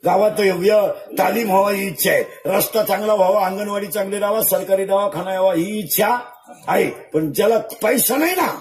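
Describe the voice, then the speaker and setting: A man's voice: sits high, a little fast, faint music behind. A man preaching a comic devotional sermon, peppering a live audience with jokes and rhetorical questions. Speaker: kirtan preacher. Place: live gathering before an audience. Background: crowd of listeners.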